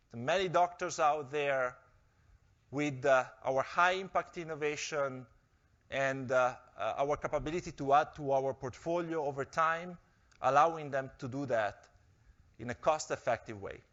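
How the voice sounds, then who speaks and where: A man's voice: a little high, a bit bright. Hesitant man with a muffled sound. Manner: measured, with frequent hesitations. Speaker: corporate executive presenter. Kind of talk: investor presentation speech.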